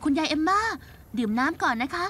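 A woman voicing a polite, caring young daughter in a dubbed drama, gentle and soothing. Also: extremely high pitch, lively intonation, quick pace, heavily acted. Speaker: dubbing actor. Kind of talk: Thai TV drama dub.

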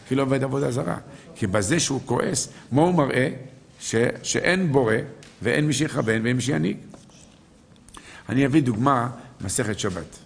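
A man's voice: mid-range voice, creaky, slight background noise. A man, a rabbi, giving a live sermon, posing rhetorical questions to his listeners and answering them, quoting verses and sages.

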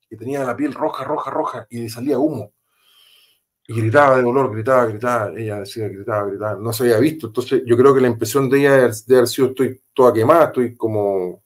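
A man with a Chilean accent tells a story as an interview guest, in a middle-pitched voice. He talks emphatically, repeats his phrases and uses casual slang. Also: a little mellow. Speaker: interview guest, former police officer.

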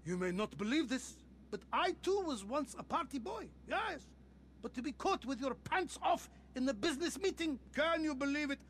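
An actor playing a pompous, jovial, middle-aged rich car collector with an Arab accent and a theatrical manner in a video game. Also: male voice, very high voice, normal speed, slight background noise. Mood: exasperated, bossy. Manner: theatrical, grandiose, animated. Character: flamboyant wealthy car collector, male, pompous, jovial, bossy older cousin. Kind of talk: video game cutscene acting.

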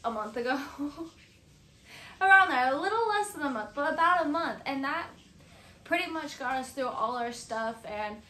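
High-voiced young woman, echoey room. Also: animated, unhurried, bright, forceful tone. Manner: rambling, self-correcting, often laughing between phrases. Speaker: vlogger. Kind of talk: casual unscripted chat to camera. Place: small bedroom indoors. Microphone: camera a few metres away. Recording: roomy echo, some background noise, mic at distance.

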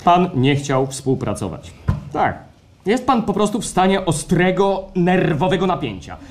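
A man's voice: high voice, big pitch swings, a little slow. An actor playing an eager, fussy technician in a radio play, pressing his case persuasively. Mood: insistent, technical. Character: eager, insistent technician selling staged re-creations of feelings. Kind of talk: radio play acting before a live audience. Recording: live stage recording with background noise.

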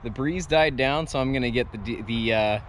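An American man in his thirties talks casually in an open yard. His voice is mid-pitched, with faint outdoor noise behind it, as he runs a portable ham radio vlog. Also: brisk. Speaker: amateur radio operator and vlogger.

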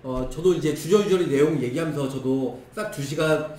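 Hoarse man listing insurance figures. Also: a little high, dark tone, far from the mic. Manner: brisk, listing figures in clipped phrases. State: hoarse, strained throat. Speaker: insurance product explainer. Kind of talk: screen-share product walkthrough. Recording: roomy echo, voice off-mic with faint noise.

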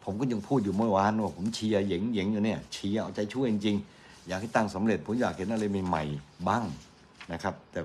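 Deep-voiced chatty male news commentator. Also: quick pace, a little mellow, a little hiss or hum. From Thailand. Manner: chatty, argumentative, quotes critics in a mocking tone. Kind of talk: casual morning news commentary.

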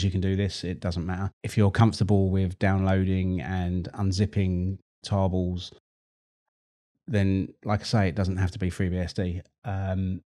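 A middle-aged man with a low voice hosts a screen-recorded tech tutorial, keeping things chatty and relaxed while he repeats words as he works.

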